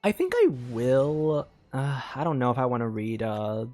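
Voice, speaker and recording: A tired man doing casual live gameplay commentary, thinking aloud in a low-key, meandering way. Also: big pitch swings, moderate pace, a little mellow, soft background music. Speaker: game streamer.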